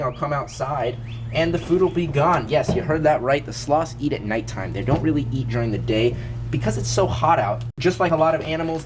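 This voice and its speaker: A man's voice: mid-range voice, a little hiss or hum. A congested young man vlogging energetically outdoors at an animal food station, often calling viewers "guys". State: congested from a cold. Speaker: zoo owner and vlogger. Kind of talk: enthusiastic vlog presenting. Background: birds screaming and monkeys.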